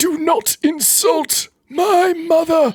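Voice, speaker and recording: A man performs a put-on character voice at an extremely high pitch. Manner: angry, enraged.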